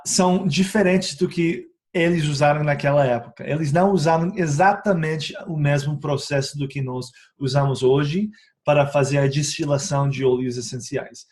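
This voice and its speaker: A man speaking a learned second language in a casual teaching video about essential oils, pausing often on filler sounds, correcting himself and checking in with the viewer. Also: on the high side, a little mellow. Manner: hesitant, frequent filler sounds and tag questions.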